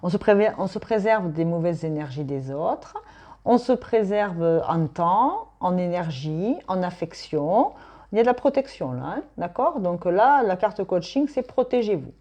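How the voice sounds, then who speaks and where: A woman's voice: lowish voice, lively intonation, a little slow, dark tone. A middle-aged woman giving a casual weekly tarot reading, chatty and emphatic, thinking aloud with many fillers. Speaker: tarot reader.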